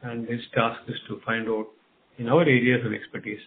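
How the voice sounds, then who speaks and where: A man's voice: mid-range voice, level tone, a little fast. A man with an Indian accent, a company executive giving unscripted answers on an investor call, often repeating and rephrasing his phrases. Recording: narrow phone line, clear background noise.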